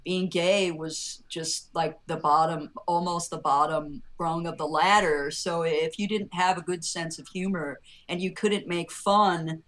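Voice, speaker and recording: Woman guest on a movie podcast, lowish voice, chatty, kinda rambly. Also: steady tone, measured pace, hardly any pauses, fairly bright tone. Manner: chatty, trails off, laughs between thoughts. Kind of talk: casual film discussion.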